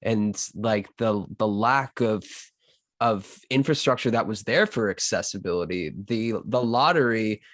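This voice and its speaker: A man's voice: lowish voice, lively intonation, measured pace, a bit bright, no echo, clean studio sound. A man hosting a casual podcast interview, talking informally with loose slang and some swearing.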